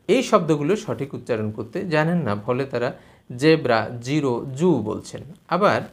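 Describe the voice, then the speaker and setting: A man giving a spoken lesson on spelling and pronunciation, explaining patiently and repeating sounds to contrast them. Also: medium pitch. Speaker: language teacher.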